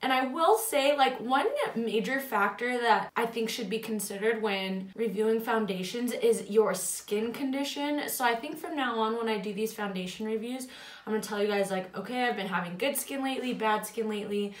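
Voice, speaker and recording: A woman in her twenties reviewing makeup in a casual, chatty way at home, her voice slightly raspy from the morning. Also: a little high, normal speed, echoey room, recorded from a distance. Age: 20s. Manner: chatty, filler-heavy, self-deprecating. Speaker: beauty vlogger.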